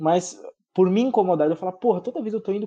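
At a very fast pace, a man with a high-pitched, dark, mellow tone speaks with ordinary pitch variation. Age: 20s. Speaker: podcast host. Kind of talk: casual monologue. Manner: animated.

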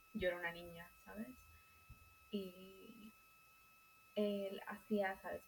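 A woman talks very slowly, her somewhat breathy voice keeping fairly even intonation. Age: 30s. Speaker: podcast co-host. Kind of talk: casual chat.

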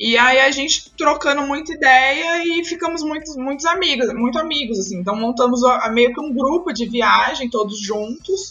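With hardly any pauses, a woman speaks at a moderate pace in a high pitch with lively intonation, over noticeable background noise. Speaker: travel influencer. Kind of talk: casual chat.

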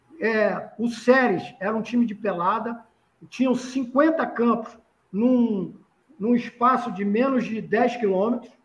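At a very slow pace, a man speaks at an extremely high pitch with fairly even intonation. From Rio de Janeiro, Brazil (Padre Miguel, Bangu). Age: 50s. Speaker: football coach. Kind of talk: interview.

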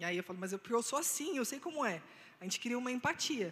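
A woman talking at a very fast pace. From Brazil, Mogi das Cruzes (São Paulo). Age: 30s. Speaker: women's ministry leader at church. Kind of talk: church women's talk, personal testimony.

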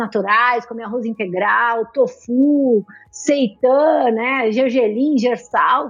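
A woman's high voice with ordinary pitch variation, music in the background. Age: 40s. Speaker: nutritionist. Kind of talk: casual chat.

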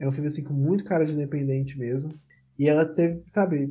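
Speaking at a fairly quick pace, a man has a fairly high pitch and fairly even intonation. His voice is somewhat breathy. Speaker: podcast host. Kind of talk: casual chat.

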